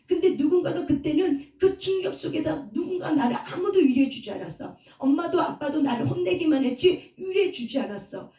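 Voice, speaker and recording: A woman's voice: high-pitched, dark tone, distant mic. Woman preaching in an echoey hall. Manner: asks the audience questions and answers them herself. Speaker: pastor and counselor. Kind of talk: sermon.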